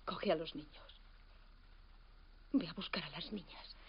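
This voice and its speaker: An actress playing a frightened wife and mother who pleads in a hushed voice, in a film dub. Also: fairly high pitch, sing-song, fairly quick, a little hiss or hum. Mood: pleading. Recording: dull film soundtrack.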